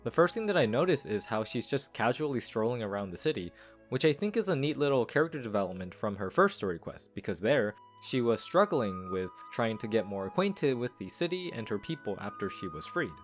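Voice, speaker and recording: A man's voice: mid-range voice, big pitch swings, fairly quick. A man giving a casual, explanatory scripted review and lore analysis of a video game story. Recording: background music.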